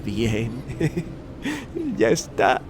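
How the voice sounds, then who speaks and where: An actor playing a deranged, obsessive patient in an audio drama, frantic and theatrical. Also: male voice, fairly high pitch, huge pitch swings, drawn-out words, gravelly, a little hiss or hum, full character voice. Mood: gleeful muttering. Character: deranged, obsessive male asylum patient craving horror.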